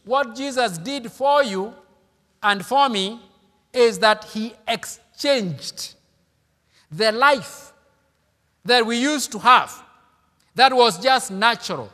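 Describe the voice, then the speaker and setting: A man's voice: very high voice, expressive, slow, pauses often, sharp tone, in a large hall. A man, preaching an emphatic sermon, repeating his points and calling out hallelujah. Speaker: pastor.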